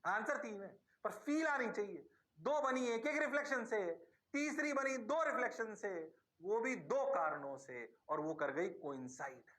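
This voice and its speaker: A male teacher giving a lecture, animated and playful, coaxing the class by asking the same question again and again. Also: high-pitched, moderate pace.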